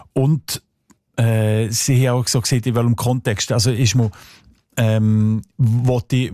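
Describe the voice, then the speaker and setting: A man with a Swiss German Sensler accent, a dialect expert talking thoughtfully on radio and pausing often to search for words. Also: lowish voice, darkish tone, dry recording, studio quality. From Switzerland. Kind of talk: relaxed radio conversation. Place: radio studio.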